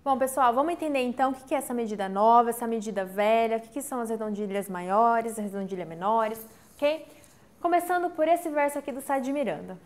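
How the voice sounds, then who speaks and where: A woman teacher, giving an online literature lesson, explaining step by step and often checking in with the class. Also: fairly high pitch. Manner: explains step by step, counts syllables slowly aloud; checks in with frequent "tá?".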